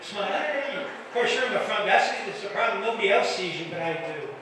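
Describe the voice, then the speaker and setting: A man's voice: high-pitched, expressive, brisk. A middle-aged or older man from the Detroit area doing a stand-up set, stammering through restarts and teasing the crowd. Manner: self-deprecating, stammering restarts, banters with the crowd. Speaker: stand-up comedian. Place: comedy club stage. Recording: echoey club from far off, crowd noise.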